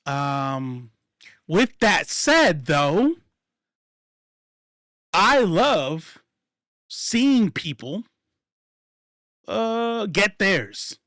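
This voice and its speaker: A man telling stories in casual chat, profane and animated, acting out what people said. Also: sits high, drawn-out words, long pauses, no room sound, clean studio sound. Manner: profane, animated, acts out quotes.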